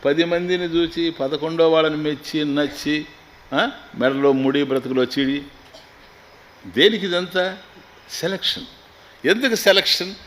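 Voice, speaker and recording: Swami chanting and joking. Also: male voice, fairly high pitch, a bit bright, slight background noise. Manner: chants Sanskrit slowly, then speaks quickly with humor. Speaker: swami giving a spiritual discourse. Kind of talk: Telugu scriptural discourse.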